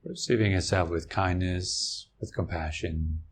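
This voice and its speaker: A man guiding a meditation, speaking slowly and calmly, with long pauses between phrases. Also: low voice, a little hiss or hum. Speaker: meditation teacher. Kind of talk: guided meditation.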